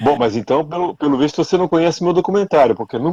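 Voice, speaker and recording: A man's dark, mellow tone comes across in a dry, close sound with no echo. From southern Brazil, Blumenau, Santa Catarina. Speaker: sailor, sailboat captain. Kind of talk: casual interview chat.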